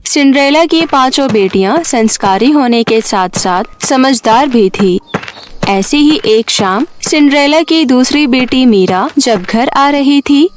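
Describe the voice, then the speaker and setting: A woman narrator reading a scripted children's story. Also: high-pitched. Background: background music.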